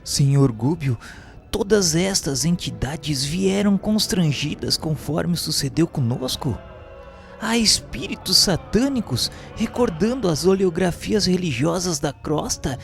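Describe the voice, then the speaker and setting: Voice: mid-range voice, lively intonation, slow, creaky, faint music behind. A performer playing a troubled, questioning apprentice spirit in a radio drama, speaking formally and earnestly. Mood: troubled, observant.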